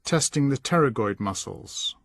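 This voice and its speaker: A man reading scripted instructional narration in a measured, instructing manner. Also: medium pitch, expressive, gravelly, no echo. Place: dry voice-over recording.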